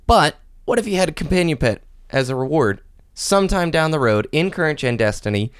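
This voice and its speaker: A man's voice: on the high side, sing-song, a little fast, smooth, dry recording, studio quality. A man hosting a casual gaming podcast, chatting with his co-host and reading listener posts aloud.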